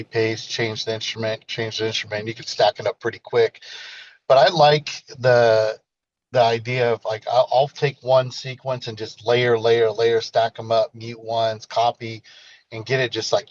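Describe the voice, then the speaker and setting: A man's voice: mid-range voice, level tone, moderate pace, dry recording. Slightly dull, lo-fi audio of a man with a mid-range voice. He talks casually as a guest, explaining things conversationally. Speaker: guest music maker. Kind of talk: casual chat.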